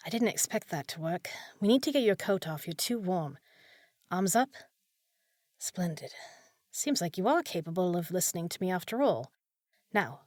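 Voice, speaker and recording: A woman's voice: on the low side, darkish tone, no room sound. A woman playing a short, fussy young village housekeeper in a fantasy audio roleplay, proper and easily flustered, scolding yet caring. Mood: patient, nursing. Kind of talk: scripted fantasy audio roleplay, spoken to listener.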